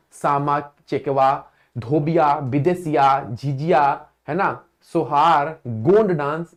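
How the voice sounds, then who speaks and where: A teacher giving an exam-prep lecture, explaining step by step, checking in with listeners and naming items one at a time. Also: mid-range voice. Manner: explains step by step, often adds the tag "है ना"; lists place names one by one in a slow, stressed way.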